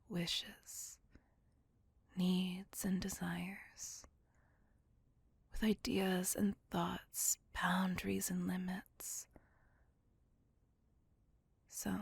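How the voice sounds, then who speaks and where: A woman voicing a courteous, possessive female vampire on a date, speaking in a soft, formal and reassuring whisper. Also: mid-range voice, creaky, husky, no room sound, exaggerated voice. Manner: formal, slow, intimate and reassuring. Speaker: voice actor. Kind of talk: ASMR roleplay.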